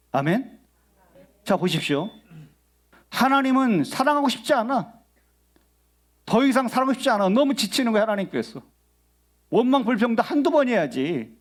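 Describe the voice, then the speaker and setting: A middle-aged man preaching a sermon in a church, talking conversationally and often asking the congregation questions. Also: high-pitched. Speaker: pastor. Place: church sanctuary.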